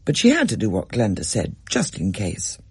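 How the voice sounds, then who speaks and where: A storyteller reading a scripted story aloud, expressive and varied, with a husky voice. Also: mid-range voice, normal speed, dry recording.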